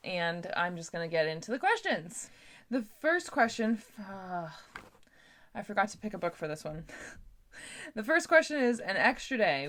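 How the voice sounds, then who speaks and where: A woman with a Canadian accent chatting casually to viewers as a book vlogger, informal and talkative. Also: medium pitch. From Ontario, Canada. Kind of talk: casual chat to camera.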